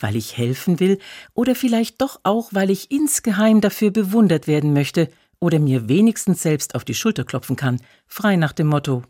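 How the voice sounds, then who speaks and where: Measured preacher with a dry sound. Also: mid-range voice, a little mellow, no echo. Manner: measured, slows down to stress key phrases; reads scripture solemnly. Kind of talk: scripted radio devotional.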